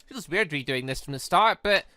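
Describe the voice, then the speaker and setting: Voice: medium pitch, expressive, normal speed, sharp tone, smooth, no echo. A gaming YouTuber giving casual, rambling let's play commentary in a chatty way.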